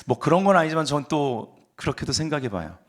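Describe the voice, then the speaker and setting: A man's voice: on the high side, big pitch swings, fast talker. A man preaching a Sunday sermon as pastor, explaining scripture and rising to fervent emphasis.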